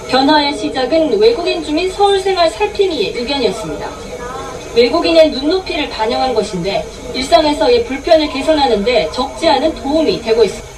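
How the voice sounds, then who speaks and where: Very high-pitched woman reporting news, distant. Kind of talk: scripted news report narration. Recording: distant TV playback with crowd noise.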